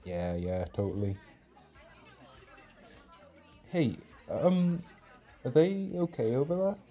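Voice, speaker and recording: A man playing an easygoing friend at a party in a roleplay audio, chatting in a relaxed, friendly way. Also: medium pitch, measured pace, a faint crowd. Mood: casual, curious. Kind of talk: casual chat in a roleplay audio.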